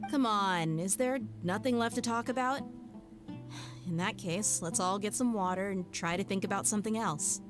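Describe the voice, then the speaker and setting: A woman playing a confident, worldly adventurer in a video game, with an expressive, assured delivery. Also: medium pitch, moderate pace, over music, natural voice. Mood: coaxing.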